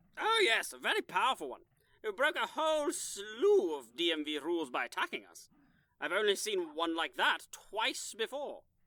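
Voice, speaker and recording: A man puts on a character voice with a high pitch at a moderate pace. The recording is very clean, with a silent background. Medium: audio drama. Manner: genteel, old-fashioned politeness.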